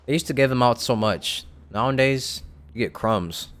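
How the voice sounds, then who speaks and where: A man's voice: mid-range voice, normal speed, fairly bright tone. A man streaming gameplay, reacting casually and thinking aloud as he plays. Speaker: game streamer. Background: faint game music.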